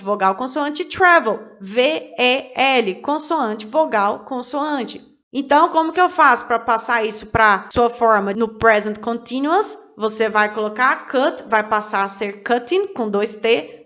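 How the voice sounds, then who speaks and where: A woman's voice: sits high, a bit bright. A woman teaching a video lesson, explaining step by step, asking and answering her own questions and spelling out letters one by one. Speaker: English teacher.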